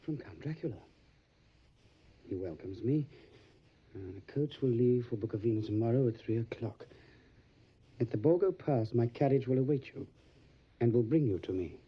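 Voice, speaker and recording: An actor playing a courteous solicitor in an audio drama, speaking in a measured, formal way. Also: male voice, mid-range voice, lively intonation, breathy edge. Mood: polite, curious. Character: courteous English solicitor recounting his journey to Transylvania. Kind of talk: audio drama narration and dialogue. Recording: dull lo-fi audio with music behind. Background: music.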